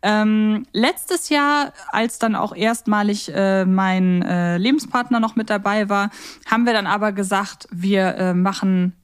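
A woman's voice: medium pitch, fairly even intonation, unhurried, clear, resonant tone. Chatty woman co-hosting a casual podcast. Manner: chatty, storytelling, informal. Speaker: podcast co-host. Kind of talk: casual conversational podcast chat.

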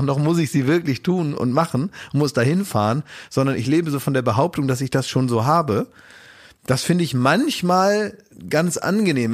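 A man from Oldenburg hosting a casual chat, thinking aloud in long rambling restarts. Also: fairly high pitch. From Oldenburg, northern Germany. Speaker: podcast host.

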